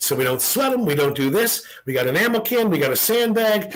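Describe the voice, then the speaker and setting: On a very clean recording with a silent background, a man's pitch swings very widely. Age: 60s. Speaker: firearms manufacturer. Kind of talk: interview.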